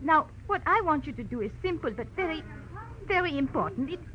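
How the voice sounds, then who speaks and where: A worried, gentle Frenchwoman, pleads urgently in a high voice with a slight French accent. It is 1940s radio drama acting on a muffled vintage recording. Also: expressive, fairly quick, slight background noise. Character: anxious, gentle young French female client.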